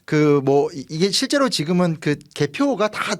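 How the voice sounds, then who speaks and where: A man from Seoul, a history commentator explaining politics in a lecturing way, full of fillers. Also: fairly high pitch. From Seoul, South Korea. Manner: fast, lively lecturing with frequent fillers.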